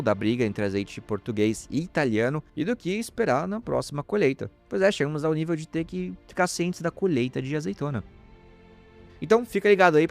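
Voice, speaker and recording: A man from Chile hosting a news podcast, talking in a chatty way and making asides to his listeners. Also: mid-range voice.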